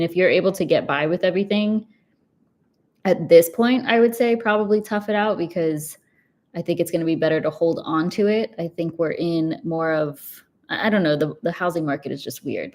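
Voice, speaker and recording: Young woman, finance livestream host, chatty, upbeat, fairly low voice. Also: a little mellow. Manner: chatty and upbeat, quick to laugh, lots of "like". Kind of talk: casual live chat answering viewer questions.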